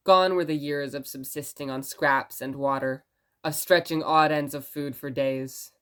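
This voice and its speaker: A woman acting as a gentle radio host in an audio drama, telling stories in a musing, conversational way. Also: low voice, fairly even intonation, unhurried, clean tone. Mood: gentle storytelling. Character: rambling, gentle blind radio station host.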